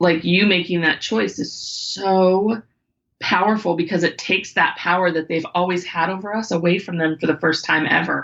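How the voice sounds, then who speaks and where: This woman has an ordinary speaking voice, fairly low in pitch, with ordinary pitch variation and a moderate pace. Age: 40s. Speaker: suicide awareness advocate. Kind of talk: podcast interview. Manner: conversational, with fillers.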